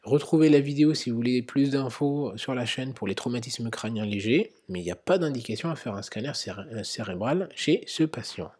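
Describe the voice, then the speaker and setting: Man talking through a medical quiz, husky. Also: mid-range voice, expressive, brisk, hardly any pauses, a little mellow. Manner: explanatory, thinking aloud with many fillers. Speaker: medical educator. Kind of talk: narrated quiz lesson.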